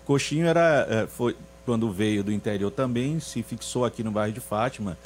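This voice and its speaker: As a guest on a radio interview, this roughly 50-year-old singer from São Luís in Maranhão, Brazil, thinks aloud and hesitates, frequently starting over. He speaks at a moderate pace in a mid-range voice, with slight background noise in the recording.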